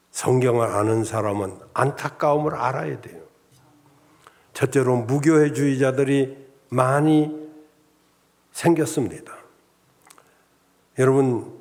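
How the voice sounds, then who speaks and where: A male pastor preaching a Sunday sermon in a measured, enumerating style, often addressing the congregation directly. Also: medium pitch, a little mellow. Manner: measured preaching with enumerated points and rhetorical asides. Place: church sanctuary.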